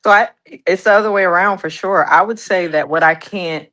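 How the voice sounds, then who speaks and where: A woman's voice: on the low side, normal speed, pushed and bright. A woman singer and pianist, a guest in an interview, talking candidly and telling stories with light laughter. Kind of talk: casual interview chat.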